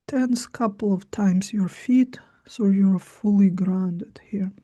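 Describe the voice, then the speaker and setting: A woman's voice: mid-range voice, takes it slowly, warm tone. A woman leading a guided trance in a mesmerizing, hypnotic manner, soothing and often close to a whisper. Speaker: guided trance practitioner and teacher.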